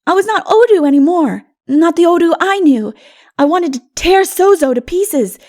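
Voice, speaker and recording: A woman voicing an earnest, innocent, frightened little boy in a dramatic storybook reading, with halting, childlike delivery. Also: very high voice, lively intonation, darkish tone, voice pushed up. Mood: distressed, earnest. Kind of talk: dramatic audiobook character reading.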